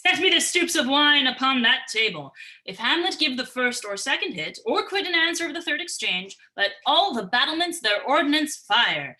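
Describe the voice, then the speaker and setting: A scheming stage monarch acted by a woman, high-pitched and forceful. The king speaks Shakespearean verse with ceremony and command, as if ordering a whole court about. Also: full character voice, rough recording. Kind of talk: dramatic reading of Shakespearean verse.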